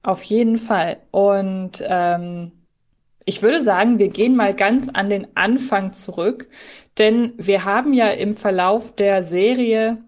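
A woman's voice: medium pitch, takes it slowly, a little mellow. Female podcast host, mid-range voice, conversational moderation.

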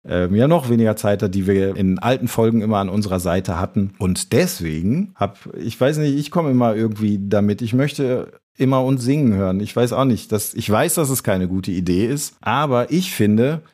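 A man's voice: fairly low pitch, expressive, moderate pace, hardly any pauses, darkish tone. A man hosting a podcast in casual chat, rambling with many fillers. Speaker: podcast host.

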